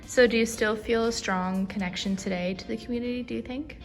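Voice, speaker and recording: A woman interviewer asking questions in a brisk, friendly way. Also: a little high, steady tone, soft background music.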